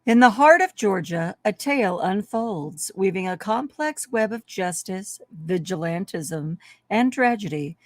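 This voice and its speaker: A woman's voice: medium pitch, no room sound. A woman reading a scripted, dramatic true crime narration.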